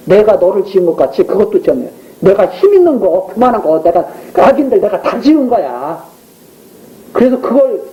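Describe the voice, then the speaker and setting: A man's voice: sits high, lo-fi sound, a little hiss or hum. A man preaching an evening sermon as pastor, reading scripture aloud and explaining it in plain, conversational speech. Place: church.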